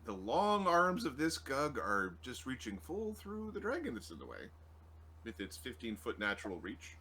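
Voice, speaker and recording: Male game master, bright and animated, casually calling out rolls in a halting flow, faint noise behind. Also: mid-range voice. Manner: casual, halting while working out numbers aloud. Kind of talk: running a tabletop roleplaying game, calling rolls.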